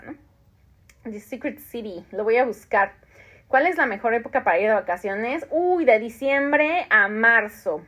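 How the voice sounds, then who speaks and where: A Mexican woman in her thirties hosts a podcast, chatting casually as she reads listener comments aloud and responds, laughing often. Her voice is fairly high and fairly bright, though the audio sounds dull.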